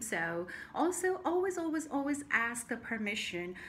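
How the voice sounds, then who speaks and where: There is audible room echo around a woman's voice. She speaks at a fairly slow pace. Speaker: spiritual guidance vlogger. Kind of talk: tutorial.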